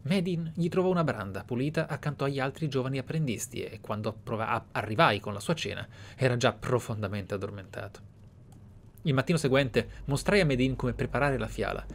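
A man's voice: mid-range voice, expressive, fairly quick. Theatrical man over noisy game ambience. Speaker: video game player and narrator. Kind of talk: roleplay let's play commentary, in-character musing and reading aloud. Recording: clear background noise, game ambience. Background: video game ambience.

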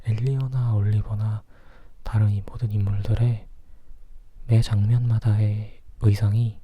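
A person whispering softly and closely in a chatty ASMR style, like a reviewer sharing thoughts. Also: mid-range voice, level tone, unhurried, dull audio. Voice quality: breathy, husky whisper. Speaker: film review vlogger.

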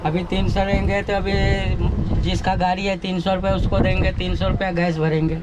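Middle-aged man from Bihar, high-pitched. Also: flat delivery, moderate pace, heavy background noise. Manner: plain, short answers. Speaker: auto-rickshaw driver. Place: seated in an auto-rickshaw outdoors. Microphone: vlogger's handheld camera.

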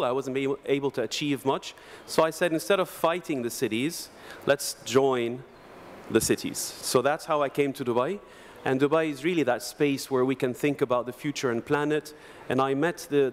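A man in his forties, raised in Denmark, speaks on a conference panel in a large hall. He tells his career story reflectively at an ordinary pitch, gesturing as he talks into a desk microphone, with a faint hum of ambience behind him. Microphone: desk microphone on a stand.

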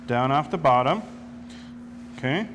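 A man's voice: medium pitch, unhurried, big-room sound, noisy background. A man in his forties, a chef walking through a cooking demonstration step by step in a studio kitchen. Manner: explanatory, steady step-by-step instructions.

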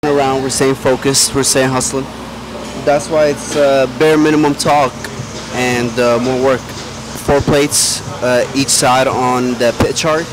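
A young man giving casual, halting vlog commentary while lifting weights in a noisy gym. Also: mid-range voice, flat delivery. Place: indoor warehouse-style gym. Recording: clear gym noise, mic'd up.

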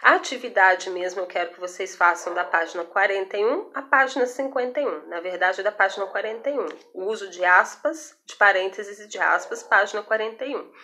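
A woman's voice: mid-range voice, sharp tone, a little hiss or hum. A young Brazilian woman teacher explaining a grammar lesson in a recorded video, patiently and with frequent check-ins to her students. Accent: Brazilian Portuguese. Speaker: Portuguese teacher.

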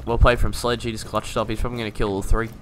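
Bright-voiced young man casting his game. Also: fairly low pitch, level tone, racing. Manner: laid-back, swears casually, thinks aloud. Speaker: gaming YouTuber. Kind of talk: casual gameplay commentary.

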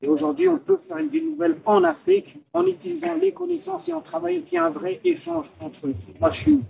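A man's voice: very high voice, fairly even intonation, fast talker, gravelly, mellow. A man from France who grew up there, earnestly laying out his plans in long lists during an interview in a small padded booth. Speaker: guest entrepreneur. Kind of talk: interview answers. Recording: distant mic.

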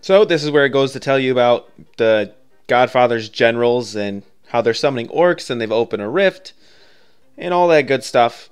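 A man's voice: mid-range voice, normal speed, smooth, faint music behind. A man narrating a step-by-step video game guide in an informal, offhand, conversational way.

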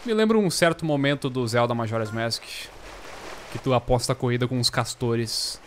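A man in his thirties, a gaming streamer, giving casual, slangy commentary on a headset with bursts of excited chatter. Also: medium pitch, moderate pace, slight background noise.

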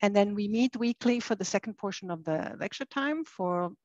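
A woman's voice: medium pitch, expressive, normal speed, darkish tone, no echo. A woman with a Swiss accent, a university lecturer speaking earnestly on an online panel and often restarting her phrases. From Switzerland. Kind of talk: panel presentation. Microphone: laptop webcam on a video call. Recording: dull lo-fi video call audio.

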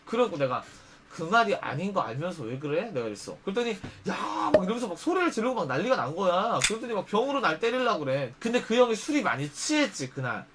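A man's voice: high voice, fast, background noise. A young man casually telling a personal story, acting out what others said in shifting voices. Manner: animated, acts out quoted lines in shifting voices. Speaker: storyteller host.

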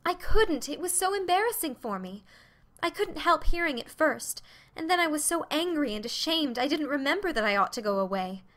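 In a storybook reading, a woman pitches her voice above her natural register to play a bashful, earnest teenage girl pleading as she confesses to her mother. The voice sits high and sounds animated and fairly bright, at normal speed.

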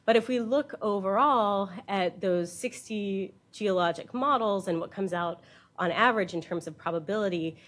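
A woman's voice: medium pitch, moderate pace, a bit bright. A woman researcher presenting a scientific lecture, explaining in plain terms with informal asides. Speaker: university researcher giving a keynote. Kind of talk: scientific conference lecture with slides.

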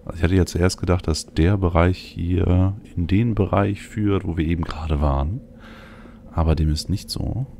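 A male let's play host with a dark, gravelly voice. He comments casually on a game, thinking aloud, with faint game ambience behind him. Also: low-pitched, fairly even intonation, moderate pace, slight background noise.

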